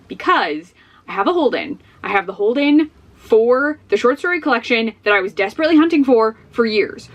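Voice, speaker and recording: Chatty young woman book vlogger. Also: mid-range voice. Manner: chatty, rambling, full of "like" and "um". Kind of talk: casual talk to camera. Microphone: camera facing her.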